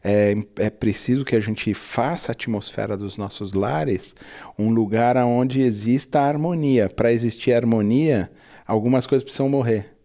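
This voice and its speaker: A man's voice: mid-range voice, moderate pace, dark tone. A Brazilian man, a pastor, talking reflectively on a Christian talk show and building his points through long lists. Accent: Brazilian Portuguese. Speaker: pastor and guest.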